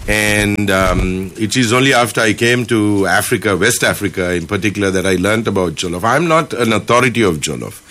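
A man from Sri Lanka talks in a radio studio as a company director, his voice sitting low yet with a crisp, forceful brightness. He speaks in a measured way and fills his pauses often with "um" and "uh". A studio microphone picks him up closely. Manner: measured, with many filler pauses. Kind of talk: radio interview guest.

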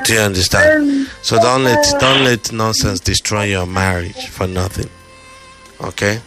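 A man's voice: lowish voice, sing-song, a little slow, over loud music. A man with a Nigerian accent hosting a phone-in, giving advice in a firm, instructive way with plenty of repetition. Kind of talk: conversational advice to a caller.

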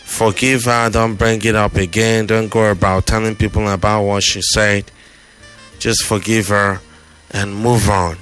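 A man's voice: fairly low pitch, level tone, measured pace, a bit bright, soft background music. A man with a Nigerian accent hosting a phone-in, giving advice in a firm, instructive way with plenty of repetition. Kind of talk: conversational advice to a caller.

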